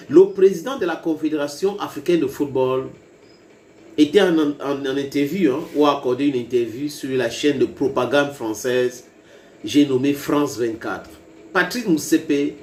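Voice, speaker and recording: Emphatic commentator, echoey room. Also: male voice, a little high, darkish tone, slight background noise. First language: English. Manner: emphatic, rising to heated bursts, addresses viewers directly. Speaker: online political commentator. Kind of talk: video commentary to viewers. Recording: roomy echo with faint ambience.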